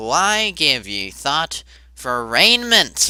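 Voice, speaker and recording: A man speaks in a put-on character voice that is robotic and nasal, at a medium pitch. The recording is very clean, with a silent background. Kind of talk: archaic, biblical.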